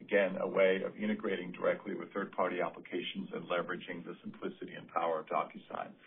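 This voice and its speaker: A deep-voiced man speaks through a narrowband phone connection. He answers as a company executive, explaining things in considered, unscripted phrases. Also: flat delivery, fast. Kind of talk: spontaneous answer on earnings call. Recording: narrowband, radio-like phone line.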